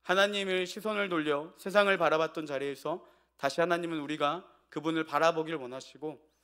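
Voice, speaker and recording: A man's voice: on the high side, steady tone, a little fast, sharp tone, smooth. A male pastor preaching an evening sermon in a church. He tells a family story and asks the congregation rhetorical questions.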